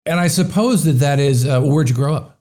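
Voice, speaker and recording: A man's voice: on the high side, a little fast, warm tone. A man hosting a business talk show, talking in a chatty, opinionated way with plenty of fillers. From US Midwest. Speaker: show host.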